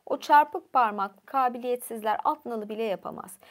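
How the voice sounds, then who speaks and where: A woman's voice: a little high, normal speed, natural voice. Lady voicing a cocky dwarf smith, sneering at rivals. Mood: scornful. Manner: boastful, scornful. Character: proud boastful dwarf craftsmen brothers.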